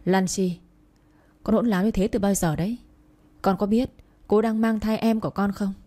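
A woman's voice: mid-range voice, steady tone, moderate pace, warm tone, close to an everyday voice. A woman voicing a remorseful father who scolds and comforts his daughter. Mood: stern. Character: remorseful middle-aged father, stern then gentle.

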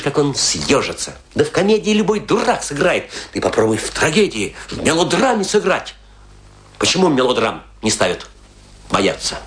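Theatrical, boastful provincial tragedian, wildly swooping delivery. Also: male voice, mid-range voice, a bit bright. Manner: theatrical, emphatic, with pointed pauses. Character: boastful provincial tragic actor, theatrical, scornful storyteller. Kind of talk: dramatic radio play monologue.

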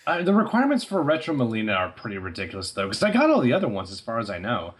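Husky, lively young co-host. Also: male voice, medium pitch, rapid-fire. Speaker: podcast co-host. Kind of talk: casual gaming chat.

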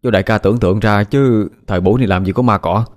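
A man's voice: on the low side, fast, natural voice. A man voicing an eager, deferential young henchman.

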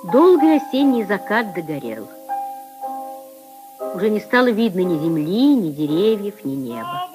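A woman's voice: mid-range voice, huge pitch swings. Woman narrating over music, old radio. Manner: measured, lyrical. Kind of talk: scripted literary narration.

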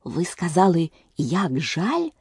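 A woman voicing a timid, fussy male white rabbit courtier who talks in a hushed, nervous half-whisper. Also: on the low side, big pitch swings, slow pace, breathy edge, dry recording, clean studio sound, full character voice.

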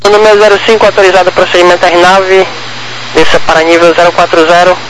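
A man's voice: sits high, level tone, quick pace, a bit bright, poor audio. A Brazilian man working as an air traffic controller, giving procedural instructions over a walkie-talkie style radio. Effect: radio transmission.

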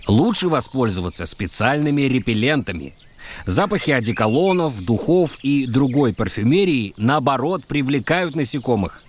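A man playing a doctor out mushroom picking, who explains safety rules calmly and patiently. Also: medium pitch, moderate pace, a little hiss or hum, close to an everyday voice. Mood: instructive. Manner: calm, instructive, explains patiently.

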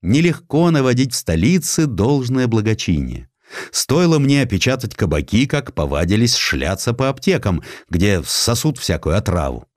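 A proud naval officer, acted by a male narrator, defiant and sardonic. He speaks formally and pointedly, with very lively pitch, in a dry audiobook recording. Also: normal speed, dry recording. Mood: grumbling. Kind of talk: dramatized audiobook.

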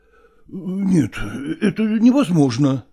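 A nervous, evasive male actor in an audiobook, sighing and hedging as he tries to slip away, read by a man. His voice sits low and mellow, rising and falling expressively. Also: big pitch swings, slow pace, husky, full character voice. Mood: flustered.

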